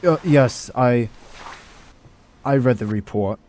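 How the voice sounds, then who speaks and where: A man's voice: medium pitch, takes it slowly, a little mellow, close to an everyday voice. A man acting a troubled, wrongly accused doctor in an audio drama, hesitant and earnest. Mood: nervous, hesitant. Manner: hesitant, stammering, protesting. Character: distraught, indignant male doctor, wrongly accused. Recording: faint background noise.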